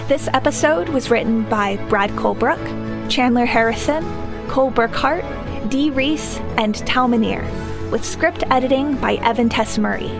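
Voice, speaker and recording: Woman announcer, fairly high voice, scripted credits read, clear music underneath. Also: normal speed. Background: theme music.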